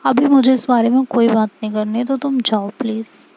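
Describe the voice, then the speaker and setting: A woman's voice: fairly high pitch, steady tone, normal speed, vocal fry, mellow, poor audio. A woman voicing a young woman who firmly tells her partner to go and rest, in a storybook reading. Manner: firm, insisting, then snapping. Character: young woman Seerat, firm and stern.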